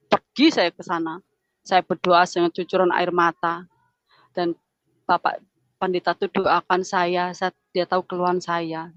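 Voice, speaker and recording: A woman's voice: fairly low pitch, fairly bright tone, no echo. A middle-aged woman giving an emotional personal testimony in casual storytelling, repeating herself and acting out dialogue. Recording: dull lo-fi sound.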